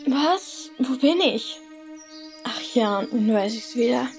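A woman performs an older peasant sister in a historical radio drama, a reluctant girl. Her voice sits rather high, with music clearly behind it. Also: expressive, slow pace, darkish tone. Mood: drowsy.

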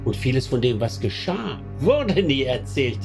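Grave young eyewitness, slow pace, very lively intonation, medieval radio narration, music behind. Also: male voice, mid-range voice. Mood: grave, brooding. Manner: grave, deliberate storytelling. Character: sixteen-year-old medieval eyewitness recounting a crusade, grave. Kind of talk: scripted first-person narration in a German radio play. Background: clearly audible music.

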